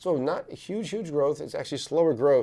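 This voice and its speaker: The speaker is a man. His tone is dark and mellow. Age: 40s. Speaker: financial show host. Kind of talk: market commentary show. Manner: casual, many filler words.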